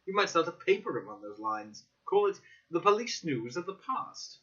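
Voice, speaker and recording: A man's voice: fairly high pitch, big pitch swings, normal speed, a bit bright, pitched above the performer's own voice. A man voicing an amused, sociable young friend in a dramatic audiobook reading, with a teasing, knowing manner. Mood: jovial. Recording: dull, slightly lo-fi recording.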